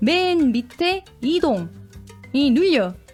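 Music behind a voice of very wide pitch swings. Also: woman. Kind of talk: comic tutorial explanation. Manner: casual, boisterous.

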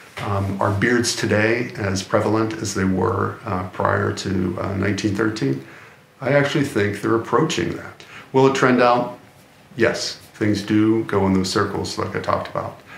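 With an American accent, a man speaks at a fairly low pitch and ordinary pitch variation, with audible room echo. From rural Pennsylvania, US. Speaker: beard grooming video presenter; beard channel host. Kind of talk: casual talk to camera. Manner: hesitant, many fillers. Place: home room.

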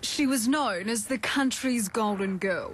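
A woman speaking fairly slowly with ordinary pitch variation amid noticeable background noise. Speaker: TV news reporter. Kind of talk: TV news report.

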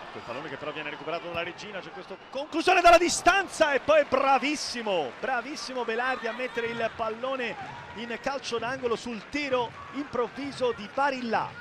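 An extremely high-pitched man's voice with an excited, animated tone, lively intonation and big swings in loudness over noticeable background noise. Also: fairly quick pace. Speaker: football commentator. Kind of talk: live sports commentary. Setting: stadium broadcast commentary. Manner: fast, excited, animated delivery, rising intensity on goals; breathless rapid-fire play-by-play.

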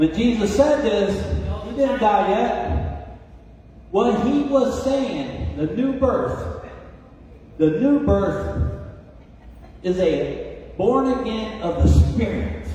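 A man speaks at a very slow pace, with long, frequent pauses. Strong room echo surrounds him over light background noise. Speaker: pastor; preacher. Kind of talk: sermon. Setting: church. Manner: animated. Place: church. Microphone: camera far.

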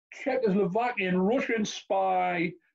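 A man with a North East England accent at a fairly slow pace. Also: quiet background. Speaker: politician. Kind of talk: interview answer. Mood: passionate, indignant. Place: home room. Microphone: webcam.

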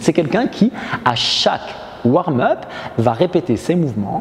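With lively intonation, a man speaks at a fairly slow pace over light background noise. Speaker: fitness coach. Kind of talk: tutorial. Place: gym. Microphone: lapel.

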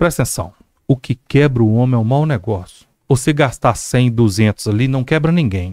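A man with a Minas Gerais accent, at a fairly slow pace, with a dry sound with no echo and a quiet background. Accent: mineiro Brazilian Portuguese. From Minas Gerais, Brazil (João Monlevade); Minas Gerais, Brazil. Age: 40s. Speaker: auction reseller and course creator; auction reseller, course creator. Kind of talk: interview. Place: studio. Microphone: studio mic.

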